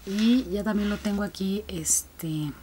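A woman's voice: fairly high pitch, lively intonation, measured pace, noisy background. A young woman chatting casually to her viewers while reviewing colored contact lenses, with frequent fillers.

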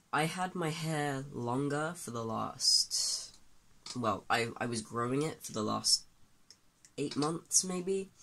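A man's voice: mid-range voice, a bit bright. A trans man in his late teens rambling candidly in a casual vlog, recorded on a phone held at arm's length in a small bedroom. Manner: candid, rambling, many fillers and restarts. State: groggy, just woken up. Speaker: vlogger. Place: small bedroom, then a desk in a bedroom, indoors. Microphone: phone or webcam at arm's length.

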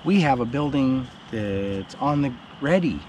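A middle-aged homesteading vlogger chats casually from a camp chair in his yard, blunt and storytelling, growing animated as he recounts things. His voice is medium in pitch and measured in pace. The camera sits a few meters away, giving noisy, open outdoor audio with a steady background hum beneath him.

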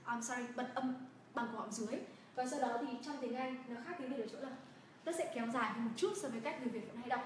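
A high-pitched woman with a Vietnamese accent runs a livestreamed pronunciation lesson, saying each word slowly and repeating it several times. She sounds set back from the mic in a very echoey room. A faint hiss sits under her voice. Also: distant mic. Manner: drills words slowly and repeats them. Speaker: English pronunciation teacher.

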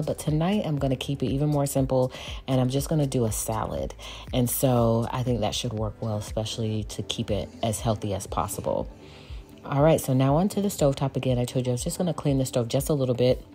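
Low-voiced woman chatting through her kitchen routine. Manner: chatty, relaxed, homey. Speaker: lifestyle vlogger. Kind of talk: casual cook and clean narration. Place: home kitchen. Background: soft background music.

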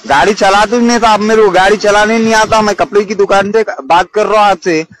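A man's voice: high voice, steady tone, fairly quick, a bit bright. A man with a Hyderabadi accent arguing casually on the phone, protesting and repeating himself. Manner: protesting, repetitive. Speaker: caller in a recorded phone call. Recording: noisy phone call recording, clicks.

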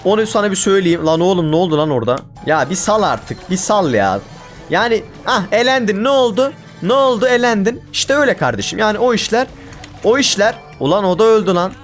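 A man's voice: high-pitched, big pitch swings, a little fast, faint music behind. A man giving casual commentary over his own gameplay, exasperated and ranting at his teammates. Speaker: gaming YouTuber.

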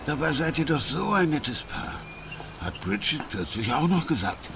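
An actor playing a gossipy married neighbour, hesitant and hemming, in an audio drama. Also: male voice, fairly high pitch, big pitch swings, normal speed, creaky, noisy background. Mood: apologetic. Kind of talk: German audio drama acting.

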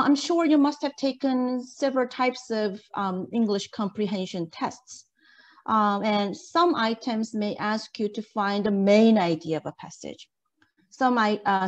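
A woman's voice: mid-range voice, a little slow. A middle-aged woman giving an interactive online lecture, encouraging her students and often checking that they follow. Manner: encouraging, checks understanding often with short tag questions. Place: indoors, on a video call.

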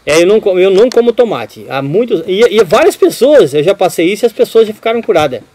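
An older man with a Brazilian accent, chatting as a guest and telling stories with halting restarts and repeats. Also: high-pitched, very animated, a little mellow. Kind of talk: casual chat.

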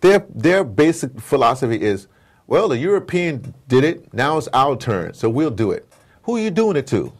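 A man of medium pitch and normal speed appears as an interview guest, giving heated, casual political commentary. Animated and emphatic, he tells stories, acts out conversations, and peppers his speech with slang and rhetorical questions.

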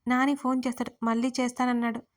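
Narrator doing a bossy old granny shouting up the stairs, high voice. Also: female voice, little pitch movement, fast talker, close to an everyday voice. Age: older. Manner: calling out loudly, bossy. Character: grandmother Sumitra, bossy and loud.

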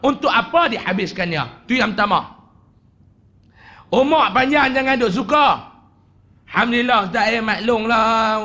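A man, an animated religious teacher joking and shouting for emphasis at a desk microphone in a prayer hall. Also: high voice, lo-fi sound. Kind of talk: religious lecture to a congregation. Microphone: desk microphone on a stand.

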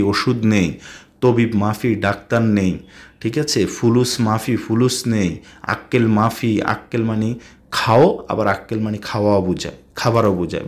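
A man with a Bangladeshi accent teaching basic spoken Arabic, repeating each word slowly and mixing in English phrases. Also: fairly low pitch. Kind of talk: spoken language lesson.

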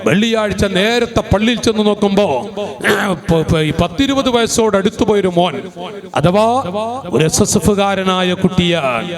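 Man, high voice, Islamic preacher, sermon, slow chanted Arabic phrases, hushed storytelling.

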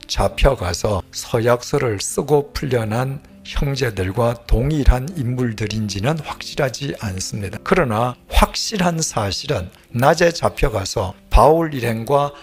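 An older male pastor delivering a measured, earnest sermon, often dropping to a hushed whisper at the ends of sentences, on a headset mic. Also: medium pitch, lively intonation, soft background music. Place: plain studio stage, indoors.

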